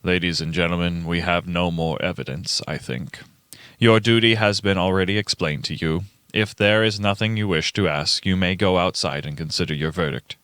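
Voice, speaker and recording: A man's voice: low-pitched, moderate pace, fairly bright tone, clean tone, no echo, studio quality, voice pushed down. A man playing a solemn coroner in a radio play, formal, curt and dismissive.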